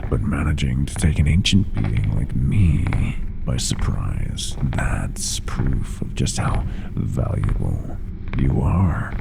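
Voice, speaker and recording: A man voicing an ancient, possessive monster in a horror ASMR roleplay, gloating and menacing with a gravelly, breathy half-whisper and mock-tender taunts. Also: a bass voice, noisy background, heavily acted.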